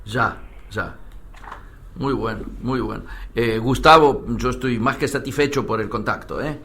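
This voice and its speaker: A man hosting a radio talk show, speaking in a measured way and pausing often on "eh". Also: mid-range voice, a bit bright, husky. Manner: measured, thinks aloud with frequent "eh". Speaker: radio host.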